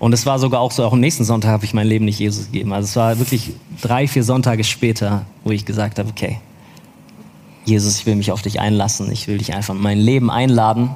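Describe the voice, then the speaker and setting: This man talks at a very fast pace in a fairly low pitch. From Stuttgart, Germany, Ethiopian parents. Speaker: church member sharing life story. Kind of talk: testimony. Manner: animated.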